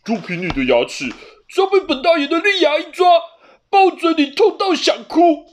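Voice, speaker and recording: A woman voicing a haughty, teasing male black cat in a children's storybook, with a loud, mocking tone. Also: extremely high pitch, big pitch swings, normal speed, slight background noise, voice pushed up. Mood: swaggering. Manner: mocking, domineering boasts.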